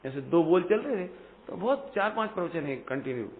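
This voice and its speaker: A man giving a devotional discourse to a hall audience, animated and questioning his listeners, rising to loud emphatic peaks. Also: a little high, brisk. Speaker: Jain discourse speaker. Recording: phone-like audio in a reverberant hall.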